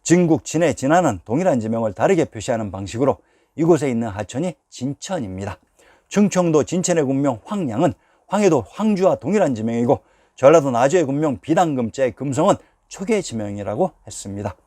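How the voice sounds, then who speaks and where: A man narrating a scripted history lecture at a measured pace, putting rhetorical questions to the viewers. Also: medium pitch, sing-song, dark tone, no echo, clean studio sound.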